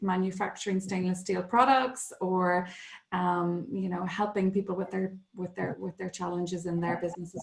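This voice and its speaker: A woman speaks at a medium pitch. Her voice is somewhat breathy. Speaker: sales training coach. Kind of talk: online coaching session. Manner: animated.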